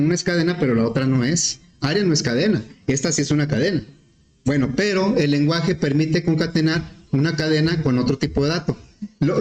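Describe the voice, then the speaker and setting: A man teaching programming, explaining step by step with questions to the class and often clearing his throat. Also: a little high, a little mellow. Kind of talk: screen-recorded class explanation. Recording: echoey room.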